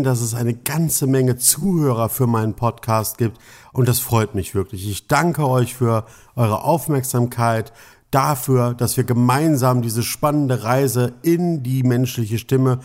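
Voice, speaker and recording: A man hosting a voice-training podcast, speaking to the listener in a calm, encouraging way with resonant, articulate delivery. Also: mid-range voice. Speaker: voice coach podcast host. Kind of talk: instructive podcast monologue.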